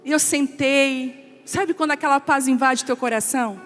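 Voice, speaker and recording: A woman pastor giving an emotional testimony sermon, telling a family story and quoting relatives in a softer voice. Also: high voice, normal speed. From Brazil. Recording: long hall reverb with soft music.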